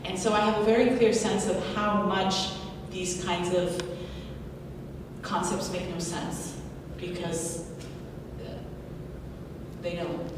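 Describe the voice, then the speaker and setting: A woman from Palestine talks earnestly on a panel, thinking aloud and restarting her sentences. Her voice sits low. She is picked up from far off in a large, echoey hall. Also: little pitch movement, takes it slowly, pauses often. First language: Arabic. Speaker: playwright on a panel. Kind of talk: panel discussion. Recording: echoey hall, distant mic, background noise.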